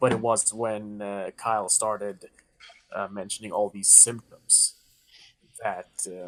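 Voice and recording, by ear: The delivery is slow, with little movement in pitch. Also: man, fairly low pitch for a man.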